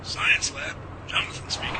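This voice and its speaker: A man's voice: normal speed, lightly acted. A man playing a friendly, earnest science professor in an amateur radio drama, speaking in a genial, folksy, explanatory way. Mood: businesslike. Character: friendly, earnest male science professor running Bigfoot lab. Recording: very noisy track, loud ambient rumble.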